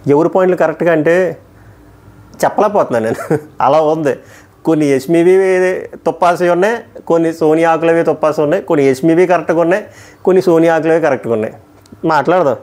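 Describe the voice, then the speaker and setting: A man's voice: on the high side, a little mellow. A man giving a casual, emphatic review of a TV episode and weighing each point with strong opinions. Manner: emphatic, opinionated, quickly switching between points. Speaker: TV show reviewer.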